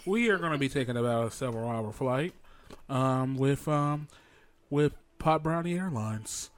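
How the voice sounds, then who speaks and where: A man's voice: animated, moderate pace. Male podcast host, casual and playful, loose conversational delivery. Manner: joking, playful, sings snatches in falsetto. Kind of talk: casual chat.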